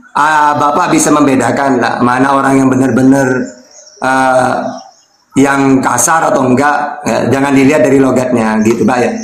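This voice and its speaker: Amid noticeable background noise and audible room echo, a medium-pitched man speaks at a moderate pace with fairly even intonation and very even loudness. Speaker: Islamic cleric. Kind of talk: interfaith debate.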